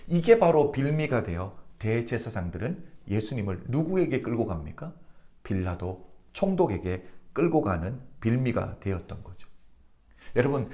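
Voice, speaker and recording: A man's voice: mid-range voice, darkish tone. A male pastor from Korea giving a daily devotional sermon, asking the congregation questions and answering them himself.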